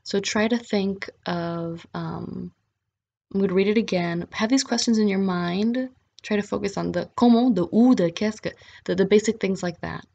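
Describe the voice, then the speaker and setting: A woman's voice: medium pitch, measured pace, creaky, a little mellow, muffled recording. A woman giving a casual French listening lesson, mixing English explanations with French and reading a book passage aloud. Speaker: French teacher.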